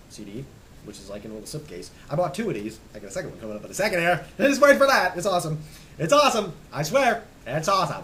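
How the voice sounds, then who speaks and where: A young man casually rambling as he shows off his music collection, stammering and restarting, hoarse and losing his voice. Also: fairly low pitch, a little hiss or hum, rough recording. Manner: enthusiastic, rambling, stammers and restarts, trails off quietly. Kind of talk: casual rambling show-and-tell.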